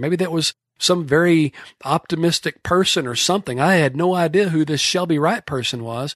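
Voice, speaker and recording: With a Texan accent, a man speaks in an animated tone, the sound dry and close with no echo over a quiet background. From Texas. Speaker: storyteller. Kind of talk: casual chat.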